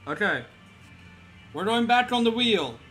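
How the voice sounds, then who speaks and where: A young man with a high, slightly bright voice livestreams while drawing his viewers' characters, chatting loosely with his chat. He sounds very animated but talks a little slowly, with music playing behind him.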